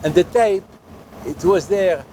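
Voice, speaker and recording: Older rabbi from morocco giving a slow halting sermon outside, lots of uhs, traffic noise behind. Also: male voice, high voice, warm tone. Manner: halting, many fillers and restarts. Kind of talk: sermon at a holy site.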